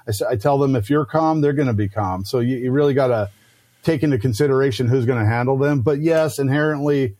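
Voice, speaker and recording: Lively storytelling man, dry close sound. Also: mid-range voice, no room sound. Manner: lively storyteller who acts out snakes and customers in quick voices. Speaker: guest snake breeder. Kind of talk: casual podcast chat.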